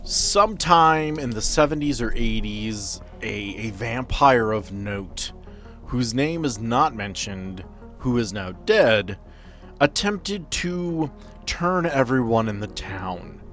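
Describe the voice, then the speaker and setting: Guy running a horror tabletop game, really lively up and down delivery, theatrical pauses, bit of music under him. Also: mid-range voice. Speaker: game master, podcast host.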